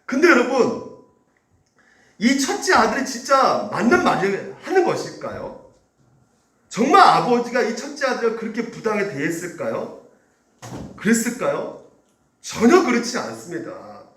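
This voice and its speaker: A male pastor preaching a sermon in an animated way, acting out angry quoted speech as he goes. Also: high voice, moderate pace, long pauses, echoey room, recorded from a distance. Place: church sanctuary.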